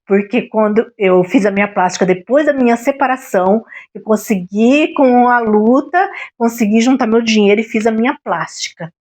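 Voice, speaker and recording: A woman's voice: a little high, normal speed, hardly any pauses, darkish tone. A middle-aged Brazilian woman telling a personal story on her vlog in a confiding way, often checking in with her listeners. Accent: Brazilian Portuguese. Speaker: vlogger.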